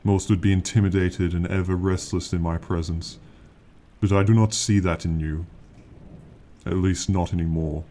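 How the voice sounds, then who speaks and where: Lightly acted, with fairly even intonation and a little background noise, this take has a man portraying an ancient male dragon for a fantasy ASMR roleplay. His voice is very deep and dark with little rise or fall, and his slow, lofty, archaic speech is proud and condescending yet affectionate toward his mortal companion.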